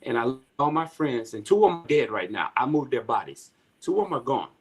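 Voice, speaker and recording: Husky guy telling his story on a podcast, does everybody's voices. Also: medium pitch, very animated, a little fast. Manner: storytelling, acting out quoted voices. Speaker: guest. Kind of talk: personal testimony.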